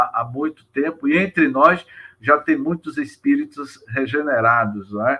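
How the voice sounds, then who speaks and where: A man with a fairly high pitch speaks at a fairly slow pace with fairly even intonation. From Salvador, Bahia, Brazil. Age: 60s. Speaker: spiritist lecturer. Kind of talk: casual remarks on a live religious program. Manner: halting, with many fillers.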